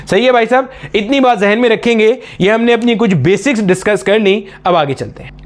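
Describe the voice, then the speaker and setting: A man's voice: sits high, a little fast. A man teaches a physics exam-prep lecture. He explains each step, asks the class questions and answers them himself. He calls his students "beta" in a familiar, fatherly way.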